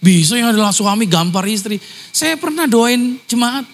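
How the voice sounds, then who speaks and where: A man from Ambon preaching a sermon, animated and joking, acting out voices of other people. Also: normal speed, slight background noise. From Ambon, Indonesia. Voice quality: naturally high-pitched voice. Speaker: pastor.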